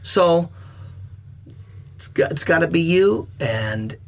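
A middle-aged veteran wrestler, appearing as a guest, tells stories in a relaxed chat. His voice is slightly high and slow, and he's animated, swinging between loud and soft.

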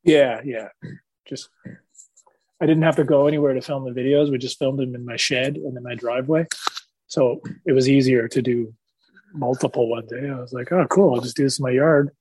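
A man being interviewed as a musician, relaxed and joking, laughing a lot and swearing freely. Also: mid-range voice, normal speed, breathy edge, no room sound, rough recording. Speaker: musician guest. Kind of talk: casual interview.

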